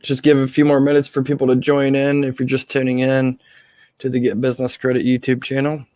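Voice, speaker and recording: A man with a slightly hoarse voice hosting a casual live question-and-answer stream, speaking informally and haltingly off the cuff. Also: medium pitch, completely flat delivery, darkish tone, no echo, studio quality.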